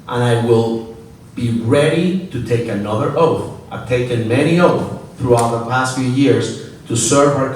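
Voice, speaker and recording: A man's voice: lowish voice, far from the mic, a little hiss or hum. Man speaking in an echoing hall. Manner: earnest, emphatic, briefly switches to Spanish. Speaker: congressional candidate. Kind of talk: campaign forum closing statement. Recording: echoey hall, mic heard from afar.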